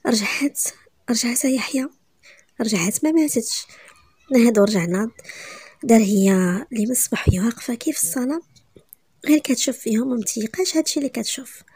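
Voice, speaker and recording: Quick, husky Moroccan woman storyteller. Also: on the high side, no echo. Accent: Moroccan Arabic. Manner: soft, often half-whispered narration. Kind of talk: dramatic story narration.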